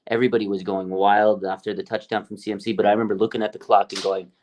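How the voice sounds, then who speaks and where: A man's voice: lowish voice, level tone, fast, a little mellow, a little hiss or hum. A man co-hosting a casual sports podcast, talking in an emphatic, enthusiastic way. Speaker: podcast co-host.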